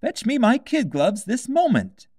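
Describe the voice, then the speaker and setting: Nervy bossy little rabbit for a storybook, way up high, fussing and ordering people about. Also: male voice, huge pitch swings, unhurried, a little mellow, breathy edge, no room sound, clean studio sound, full character voice. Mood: angry, bossy. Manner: muttering, fretful, snapping orders.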